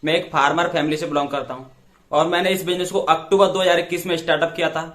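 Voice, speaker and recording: A nineteen-year-old man from Madhya Pradesh speaks plainly in a slightly high voice. He gives his testimonial in a room with clear echo. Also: little pitch movement, quick pace, a bit bright. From Madhya Pradesh, India. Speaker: network marketing member. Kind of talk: testimonial self-introduction. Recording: echoey room.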